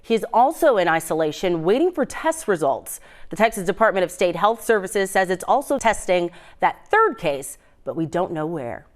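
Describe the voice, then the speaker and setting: A woman's voice: fairly low pitch, very animated, moderate pace. A woman with an American accent reading scripted morning news as a television anchor in a studio.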